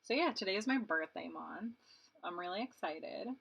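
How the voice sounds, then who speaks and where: Chatty bright-voiced young woman. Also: on the low side, animated, normal speed, creaky, breathy edge, lo-fi sound. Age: 20s. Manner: rambling, chatty, laughs often. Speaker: beauty vlogger. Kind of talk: casual chat while doing makeup.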